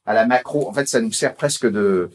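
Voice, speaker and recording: A man's voice: fairly low pitch, a little fast. A man giving a technical conference presentation in a rambling, informal way, full of fillers and repeated words. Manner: informal, chatty tone. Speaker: conference speaker.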